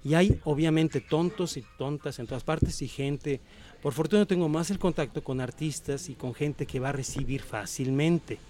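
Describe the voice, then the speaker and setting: A man's voice: on the high side, moderate pace. A man with a Mexican accent, talking in a casual group conversation, emphatic and opinionated as he tells stories. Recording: faint background noise.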